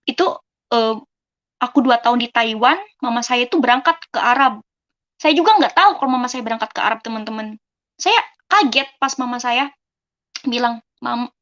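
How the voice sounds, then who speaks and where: A woman's voice: fairly high pitch, fairly bright tone. Young woman telling her life story, muffled. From Indonesia. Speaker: testimony speaker. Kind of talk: personal life testimony.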